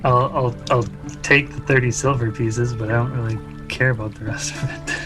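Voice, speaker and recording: A man's voice: medium pitch, fairly even intonation, normal speed, music in the background. A man talking casually as a player in a tabletop game.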